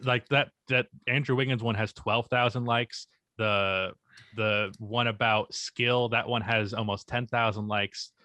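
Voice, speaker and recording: A young man co-hosting a casual podcast, speaking in an even, unexpressive tone and swearing casually. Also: fairly low pitch, measured pace, no room sound. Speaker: podcast co-host and YouTuber.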